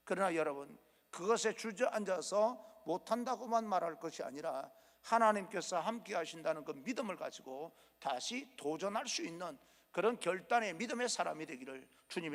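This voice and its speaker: Korean church pastor guy preaching, earnest and encouraging, raspy-ish fry, big echoey sanctuary. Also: sits high, fairly bright tone. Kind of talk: sermon. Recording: long hall reverb.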